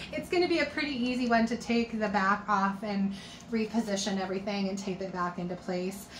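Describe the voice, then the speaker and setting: Noticeable background noise under a woman's fairly quick delivery. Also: medium pitch for a woman, ordinary pitch variation. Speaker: shop owner and thrift vlogger. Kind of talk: casual haul vlog.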